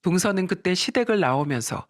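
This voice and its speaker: A man giving scripted first-person story narration in an even storytelling manner. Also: high voice, a little fast.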